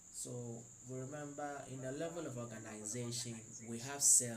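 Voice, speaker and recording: Soft-spoken and medium in pitch, a man talks at a fairly slow pace with fairly even intonation, amid noticeable background noise and audible room echo. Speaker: teacher. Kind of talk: lecture. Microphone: too quiet for some listeners.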